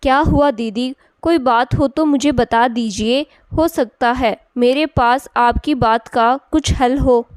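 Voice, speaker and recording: A woman's voice: high-pitched, takes it slowly, few pauses, smooth, no room sound. A woman voicing a spirited young unmarried cousin who coaxes and urges her older cousin. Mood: coaxing. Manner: coaxing, persuasive.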